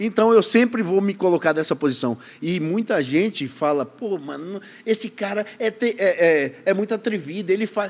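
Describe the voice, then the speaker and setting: A man speaks in a high pitch with lively intonation. His pace is moderate. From Bahia, Brazil. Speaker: bodybuilder; podcast guest. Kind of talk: casual chat. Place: studio. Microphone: studio mic.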